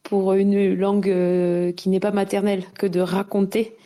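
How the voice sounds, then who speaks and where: A woman's voice: medium pitch, little pitch movement, unhurried, mellow. A woman interviewer asking long, thoughtful questions and rephrasing as she goes.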